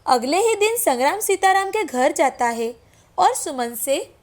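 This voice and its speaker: A woman narrating a scripted cartoon story in a steady, clear storytelling way. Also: extremely high pitch, measured pace.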